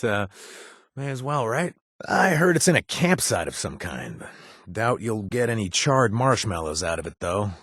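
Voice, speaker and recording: A man's voice: fairly low pitch, a bit bright, slightly rough, no room sound, studio quality, heavily acted. A young man voicing a sly, sarcastic male wasteland drifter in a video game, with a hesitant offhand delivery full of trailing asides. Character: wry shady male wasteland drifter, joking and evasive. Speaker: game companion character. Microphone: close studio mic.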